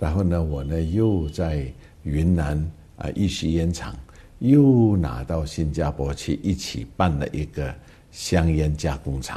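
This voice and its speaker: Speaking at a very slow pace, a man with a very deep, low pitch and a dark, mellow tone sounds somewhat breathy, with ordinary pitch variation. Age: 70s. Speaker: businessman and philanthropist. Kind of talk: interview.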